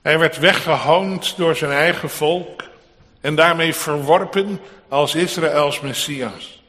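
A man's voice: on the high side, a bit bright. A man preaching a solemn sermon to his congregation, asking rhetorical questions and building to emphatic peaks. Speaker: pastor. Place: church. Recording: church hall reverb.

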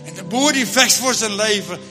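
A man's voice: high voice, moderate pace, sharp tone. A man telling a Christian story in vivid, rhythmic narration. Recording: long hall reverb, faint music.

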